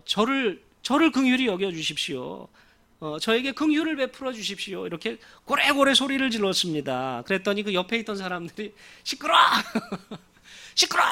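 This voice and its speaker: Bright, animated male preacher. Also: sits high. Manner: animated storytelling, chuckling often. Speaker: pastor. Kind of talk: sermon.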